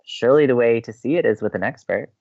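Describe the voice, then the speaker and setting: A man's voice: medium pitch, fast talker, vocal fry, darkish tone, lo-fi sound, lightly acted. A man playing an upbeat, teasing college radio co-host in an audio romantic comedy, with a playful, breezy manner. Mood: eager, flirty.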